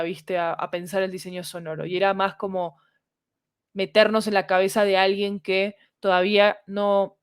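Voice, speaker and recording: With a clean, mid-range voice, this woman speaks in a relaxed podcast conversation, her Latin American Spanish accent clear as she explains things and checks in using small tag questions.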